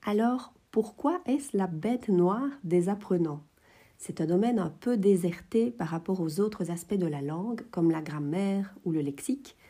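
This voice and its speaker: A woman with a lowish, deeply mellow and slightly husky voice hosts an educational podcast. She explains the sounds of a language in a clear, measured and well-paced way. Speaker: French teacher, podcast host.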